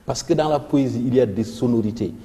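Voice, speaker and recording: A man with a Senegalese French accent explains verse rhythm as a teacher would, declaiming lines slowly for emphasis. His voice is mellow and dark. The sound carries a long room reverb. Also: mid-range voice. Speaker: literature teacher. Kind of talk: televised revision lesson.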